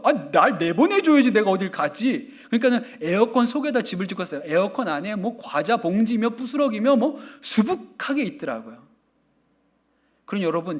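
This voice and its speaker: A middle-aged male pastor preaching with a fairly high voice. He tells stories in an animated way, drops playful asides and imitates what others say. His delivery swings between loud, quick bursts and softer stretches. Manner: animated storytelling with playful asides and mock quotes. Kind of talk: sermon.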